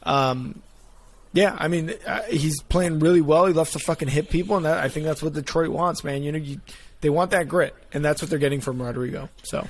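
A man's voice: on the high side, a little fast. A man co-hosting a casual sports podcast, rambling loosely and swearing freely. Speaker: podcast co-host.

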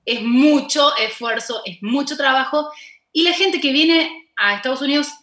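A woman's voice: sits high, moderate pace, a bit bright, roomy sound. A woman with a Córdoba Argentine accent, a former TV host turned content creator, telling her story passionately and emphatically in a casual interview.

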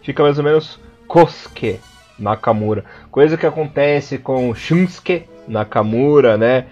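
A man from southern Brazil with a southern Brazilian Portuguese accent, co-hosting a podcast in a casual, patient way, repeating names slowly and now and then slipping into crude jokes. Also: a little high, darkish tone. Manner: blunt and crude when joking. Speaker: podcast co-host. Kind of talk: casual podcast chat teaching name pronunciation. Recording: dull lo-fi podcast audio with faint music.

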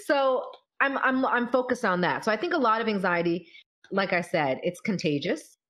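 A woman in her forties, a mother of college-age kids, talking in a casual, expressive way as host of a conversation. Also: mid-range voice, moderate pace.

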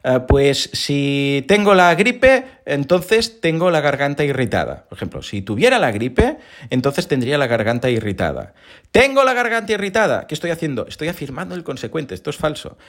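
Male podcast host, animated, pitch swings widely, slightly hoarse, talks straight to listeners. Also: moderate pace. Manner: lively, animated explaining with rhetorical questions. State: recovering from hoarseness. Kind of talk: casual explanatory monologue.

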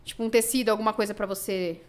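A woman's voice: medium pitch, steady tone, fast talker. A Brazilian woman, a podcast guest, tells a personal story in casual, emotional chat full of fillers. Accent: Brazilian Portuguese.

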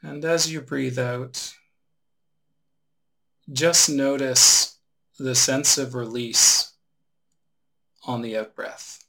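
A man guiding a relaxation meditation as a teacher, giving unhurried instructions with long pauses. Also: mid-range voice, fairly even intonation, creaky, sharp tone, low-quality recording.

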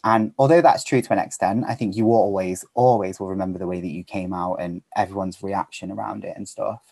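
A podcast guest with a deep, creaky, husky voice tells stories in a brisk, animated way during a casual interview, leaning heavily on fillers like "like" and "kind of." The recording has no echo.

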